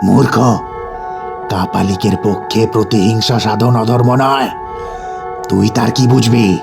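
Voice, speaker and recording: A man playing an arrogant, vengeful tantric ascetic who speaks in slow, threatening pronouncements in a horror audio story. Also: lowish voice, fairly even intonation, vocal fry. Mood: scornful. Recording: music bed under the voice.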